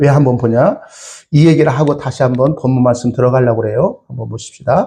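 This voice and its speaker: A man with a dark, mellow tone talks at a fairly quick pace, sounding somewhat breathy. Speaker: pastor. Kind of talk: sermon. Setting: church. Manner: speeds up as sermon goes on.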